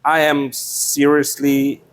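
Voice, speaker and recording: A man's voice: fairly high pitch, completely flat delivery, slow. A man chatting casually and unscripted as he unboxes a product, with playful, sweary asides.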